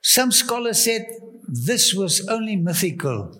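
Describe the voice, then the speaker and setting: A man with English as a second language lectures in short, careful phrases and leaves room for an interpreter. His voice sits high and bright. He moves slowly and sounds full of wonder. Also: very animated. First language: not English. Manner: slow, halting English, stops for translation. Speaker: guest speaker on ancient Egypt.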